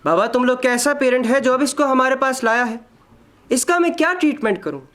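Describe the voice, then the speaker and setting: A man's voice: very high voice, brisk, a bit bright, voice pushed up. A man voicing a brusque, irritable doctor who scolds in broken grammar, in a dramatic story reading. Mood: exasperated. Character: gruff, irritable male doctor scolding poor young parents.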